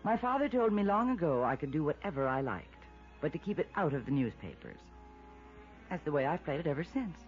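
A woman's voice: deep voice, big pitch swings, fairly quick. An American actress playing a wealthy, glamorous young woman, coy and evasive, in 1950s radio drama style. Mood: evasive, sulky. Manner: coy, teasing, languid. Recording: dull vintage radio recording, faint music.

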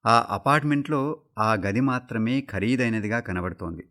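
A man reads a short story aloud for the radio in a steady, measured voice. His pitch sits in the middle range for a man. The delivery is scripted narration. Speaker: story reader.

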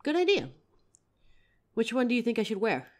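A woman's voice: fairly high pitch, wildly swooping pitch, moderate pace. A young woman voicing an anxious, protective female werewolf who stammers and sighs as she talks to her partner. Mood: delighted. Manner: hesitant, stammering, sighing often. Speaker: voice actor in audio roleplay. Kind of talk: audio roleplay for a listener.

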